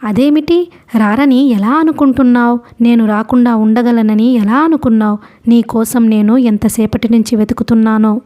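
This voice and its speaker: A woman's voice: a little high, fairly even intonation, normal speed, warm tone, close to an everyday voice. A woman narrator voicing a worried, caring young man who searches for a lost companion and reassures her. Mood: concerned.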